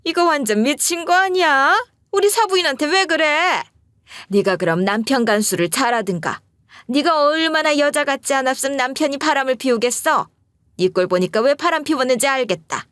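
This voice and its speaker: A woman voicing a brash, outspoken older mother-in-law who talks loudly and shrilly. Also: medium pitch, animated, unhurried, dry recording, studio quality, lightly acted. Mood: shrieking. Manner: shrieking and loud, then fawning.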